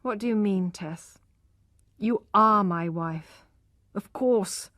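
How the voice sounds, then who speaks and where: A woman voicing a stern, logical young husband who speaks forcefully and reproachfully, read at a slow pace in a dry room. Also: mid-range voice, no echo. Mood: firm.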